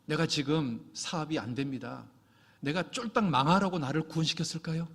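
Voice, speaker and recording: A man preaching a Sunday sermon, swinging from quiet reading to loud, impassioned exhortation. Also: fairly high pitch, moderate pace, breathy edge. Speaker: pastor. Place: church sanctuary. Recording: long church reverb.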